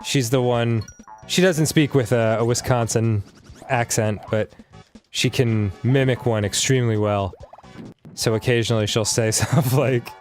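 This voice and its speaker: A man's voice: mid-range voice, steady tone, unhurried, faint music behind. A man co-hosting a casual let's-play, talking in a laid-back, rambling way and laughing easily. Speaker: co-host.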